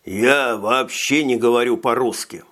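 A jittery little alien telepath, frail and slight, speaking slowly and softly, as a male reader puts him on. His voice sits at an ordinary middle pitch, with only a light change from the narration. It is an audiobook reading. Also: close to an everyday voice. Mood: plain.

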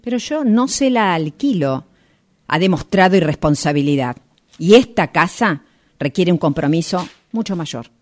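Woman acting a low-voiced, insistent letting agent. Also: lively intonation, moderate pace, darkish tone. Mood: stern, scolding. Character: firm, scolding female letting agent. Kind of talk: amateur radio play rehearsal.

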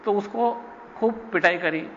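In an ashram hall with long reverb, a spiritual teacher with a fairly high, slightly bright voice gives an unhurried lecture. He tells a story, acting out quoted lines with jumps in pitch. The recording is dull and lo-fi, with faint hiss.

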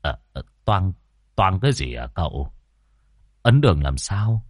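A man voicing an anxious, humble older village man who speaks softly and hesitantly. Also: low-pitched, big pitch swings, a little slow, no echo, clean studio sound, voice pushed down, exaggerated voice. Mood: timid. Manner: soft, deferential, hesitant.

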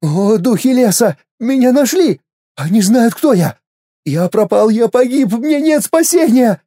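A man's voice: very high-pitched, very animated, measured pace, dark tone, pitched above the performer's own voice, heavily acted. A man reading an audiobook, voicing a weak, timid tribal boy crying out in panic. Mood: panicked. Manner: panicked, wailing.

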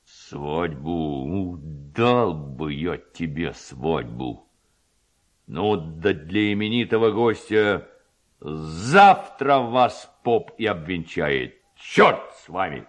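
A man voicing a self-important, boastful village headman in a storybook, with a gruff, commanding, pompous and drawn-out delivery. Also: low voice, sing-song, full character voice. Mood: gruff, indulgent.

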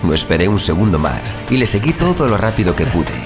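Male actor as sarcastic night-prowling killer, lowish voice, Castilian accent, wry, colloquial, animated, audio drama over music. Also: quick pace. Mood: brooding narration. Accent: Castilian Spanish. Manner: wry, foul-mouthed, colloquial. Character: brooding, sarcastic male night-prowling killer who narrates his story. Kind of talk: audio drama dialogue and first-person narration. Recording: music behind the voice.

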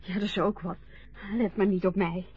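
An actress playing a spirited, soft-hearted young carer, informal, exclamatory and coaxing, in a radio play. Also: female voice, on the low side, fairly even intonation, moderate pace, breathy edge. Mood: concerned, soothing. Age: young adult. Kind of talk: naturalistic Dutch radio play acting. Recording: dull, muffled old radio recording.

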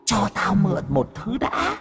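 A man's voice: high-pitched, wildly swooping pitch, a little slow, creaky, background noise, pitched above the performer's own voice, full character voice. A man voicing a sly, sneering black cat demon in a horror audiobook, taunting and cackling.

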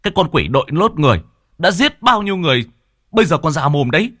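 A man voicing a furious villager in a crowd who rants in a fast, venomous way. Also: on the high side, sing-song, pushed and bright, no room sound, studio quality, voice pushed up, full character voice.

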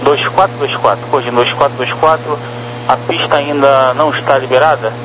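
A man's voice: mid-range voice, steady tone, brisk. A Brazilian man working as an air traffic controller, giving procedural instructions over aviation radio. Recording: noisy humming aviation radio channel.

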